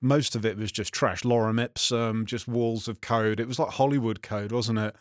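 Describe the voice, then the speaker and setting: This vlog host, who also works as a software developer, is a West Midlands man with a Black Country English accent and a slightly nasal, mid-range voice. His tone stays steady at a moderate pace as he chats casually, sardonic and grumbling with irritation. There's no room sound, just a clean studio recording.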